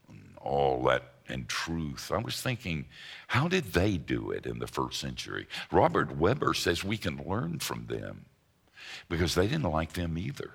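A man preaching a sermon to his congregation, folksy and emphatic, with a dry joke now and then. His low voice has a gravelly edge, yet it sounds bright and forceful. He swings his pitch widely to drive each point home. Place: church service before a congregation.

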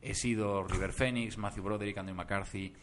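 A man with a very deep, low voice speaks as a podcast guest. He tells his stories in an animated way and wanders into asides, with a faint hiss in the background. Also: moderate pace. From Germany. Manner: animated storytelling, many asides. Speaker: voice actor guest. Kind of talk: casual podcast interview.

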